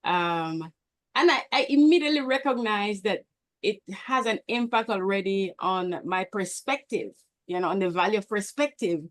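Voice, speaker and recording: A woman from Belize sharing earnest, somewhat halting comments as a guest on an online meeting video call. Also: mid-range voice, lively intonation, dry recording. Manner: earnest, hesitant restarts.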